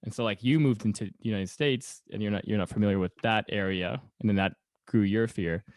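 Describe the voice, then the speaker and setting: A man's voice: lowish voice, a little fast, no echo. A man hosting a podcast interview in a casual, chatty way. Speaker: podcast host.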